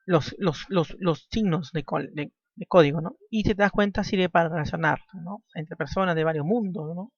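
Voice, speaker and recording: Speaking at a moderate pace with hardly any pauses, a man with a slightly high voice lectures a language class, restating key points and ending nearly each phrase with a question tag. The lo-fi recording is dull and dry, with no echo.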